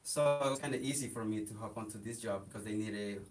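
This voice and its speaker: Soft-spoken Mexican-born man, halting speech. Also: fairly low pitch. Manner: halting, many fillers and restarts. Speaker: interview guest, photographer. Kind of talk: casual interview. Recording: hiss, distant from the mic.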